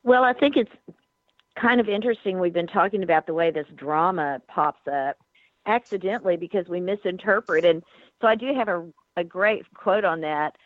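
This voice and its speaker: A woman's voice: fairly low pitch, moderate pace, no room sound. A woman guest on a radio panel, speaking earnestly and appreciatively. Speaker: round table guest. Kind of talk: casual radio panel chat. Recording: tinny phone line, dry.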